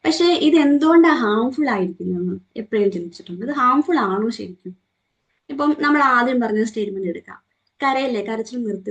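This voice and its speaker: The recording is lo-fi, and the speaker's voice is a little high. She's a young Malayali-accented trainer running an interactive morning session for a group, putting questions to listeners and acting out quoted remarks.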